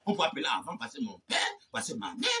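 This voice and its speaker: Man, preacher, shouting sermon, bright tense voice, distant mic. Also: medium pitch, huge pitch swings, fast talker. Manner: shouting, repetitive, laughing outbursts. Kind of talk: fiery sermon.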